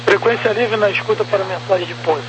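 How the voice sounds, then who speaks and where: A man's voice: high voice, quick pace, lo-fi sound. A man working as an air traffic controller, giving clipped procedural instructions over crackly, military-style radio. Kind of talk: aviation radio communication. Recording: noisy humming control radio.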